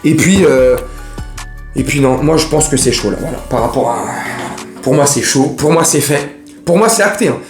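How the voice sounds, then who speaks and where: Male football vlogger, rambling slangy banter, slightly high voice, roomy echo. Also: normal speed, a little mellow, soft background music. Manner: rambling, joking, slangy, talks straight to viewers. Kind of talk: casual mercato chat to camera.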